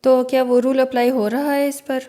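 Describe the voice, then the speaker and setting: A woman teaching an English spelling lesson. She explains step by step, mixes English words into her sentences and repeats letters and example words slowly. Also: sits high, flat delivery, dark tone. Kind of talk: slow, clear spoken lesson.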